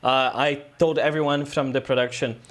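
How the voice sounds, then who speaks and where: A man's voice: medium pitch, fairly even intonation, normal speed. Man telling a story. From Brazil. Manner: loose, rambling storytelling with frequent "uh" and "um". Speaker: guest filmmaker. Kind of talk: casual podcast interview.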